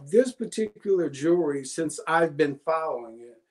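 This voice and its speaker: A man presenting a live jewelry sale in a casual, jokey way, sleepy and yawning, calling out items with loud exclamations. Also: on the high side, lively intonation, moderate pace. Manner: jokey, self-deprecating, announces items with exclamations. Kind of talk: casual live sales pitch.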